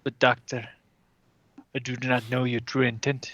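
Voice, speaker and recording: A man's voice: mid-range voice, little pitch movement, fairly bright tone. A man playing solemn, honorable Orpheus. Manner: formal, measured speech.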